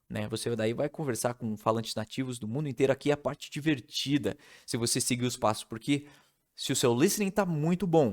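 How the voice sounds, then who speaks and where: Man from Brazil, English teacher, casual video lesson, average pitch, step-by-step explanations. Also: darkish tone. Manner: explains step by step, checks in with "né?" and "tudo bem?".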